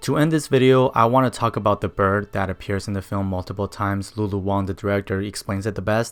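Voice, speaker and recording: Speaking very fast with hardly any pauses, a man with a Mandarin accent uses a fairly low pitch and ordinary pitch variation. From China. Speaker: film reviewer. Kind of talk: video essay narration.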